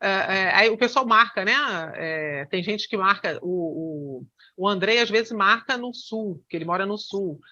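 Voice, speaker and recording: A woman with a bright, sharp voice teaches hypnosis in an online lesson. She explains with many fillers and restarts. The recording is dull and lo-fi, like a video call. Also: mid-range voice, animated, unhurried, hardly any pauses.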